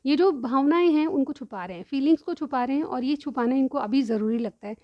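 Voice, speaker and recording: A woman reading tarot cards for her viewers. She explains each card in turn, often says "theek hai", and keeps clearing a sore throat. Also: sits high, animated, quick pace, no room sound, highs cut off. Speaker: tarot reader.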